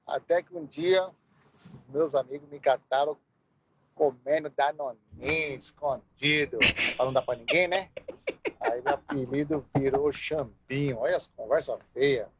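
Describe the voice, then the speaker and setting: A man's voice: medium pitch, a little slow, a little hiss or hum, poor audio. A man, casually telling a personal story in a voice message to a radio show. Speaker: radio listener sending a voice message. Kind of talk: casual anecdote.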